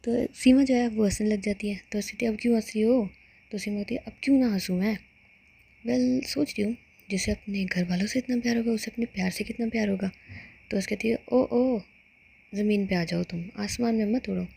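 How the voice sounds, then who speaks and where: A woman's voice: mid-range voice, brisk, vocal fry, mellow, slightly rough. A woman narrating a romance serial in a conversational storytelling manner.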